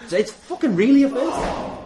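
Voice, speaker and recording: A man's voice: extremely high pitch, big pitch swings, a little fast. An Irish man hosting a casual interview in a joking, sweary, bantering way. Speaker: podcast host. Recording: noisy venue with clatter behind. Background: noise from a wrestling ring.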